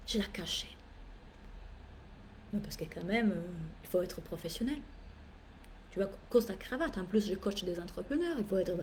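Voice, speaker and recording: Speaking French as a second language, a woman business coach delivers a live masterclass in a mid-range voice, with slight background noise. Her talk is emphatic and playful, animated, peppered with theatrical asides and repeated phrases for effect.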